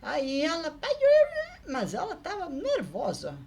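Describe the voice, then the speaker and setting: Lively woman telling a story. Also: sits high, slow pace, vocal fry. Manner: lively, acts out the people in her story; frequent tag questions. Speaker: vlogger telling personal stories. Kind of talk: casual storytelling.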